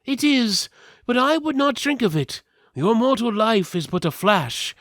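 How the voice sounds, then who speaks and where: A man's voice: sing-song, measured pace, a bit bright, dry recording, studio quality, full character voice. A man voicing an anxious, servile royal steward in a theatrical fantasy reading, given to dramatic warnings. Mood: ominous. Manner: high-pitched, fretful, dramatic.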